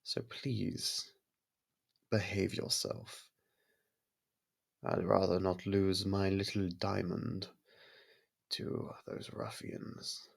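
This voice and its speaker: A man voicing a courteous, possessive vampire lord in an ASMR roleplay, speaking formally with a gravelly, husky voice and a softly commanding manner. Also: sits low, completely flat delivery, very slow, pauses often, exaggerated voice. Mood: stern, cautioning. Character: courteous, possessive vampire manor lord softening toward a human.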